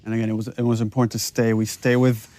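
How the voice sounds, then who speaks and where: A man's voice: mid-range voice, level tone, fast talker, dark tone. Chatty man giving game commentary. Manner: enthusiastic, chatty with fillers. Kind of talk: developer commentary.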